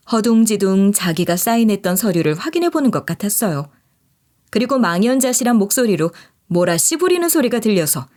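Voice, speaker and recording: A woman DJ narrating a first-person story in an expressive, mocking storytelling manner. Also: mid-range voice.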